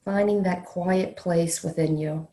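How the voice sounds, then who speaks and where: Low-voiced woman guiding meditation, roomy echo. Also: fairly even intonation, warm tone. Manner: slow, soothing delivery with long pauses. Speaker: meditation leader, counselor educator. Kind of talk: guided meditation. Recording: roomy, echoey sound.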